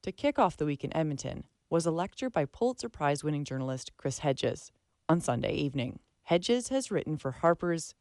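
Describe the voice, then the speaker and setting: Low-pitched woman reading radio narration. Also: sing-song, a little fast, a little mellow, no room sound, studio quality. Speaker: radio arts show host.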